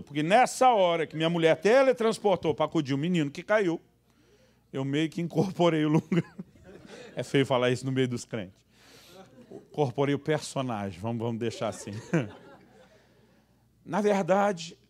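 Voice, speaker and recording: Animated preacher, fairly high voice. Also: male voice. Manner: animated, acts out quoted dialogue with sudden high voices. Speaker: pastor. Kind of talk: humorous storytelling sermon. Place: church service.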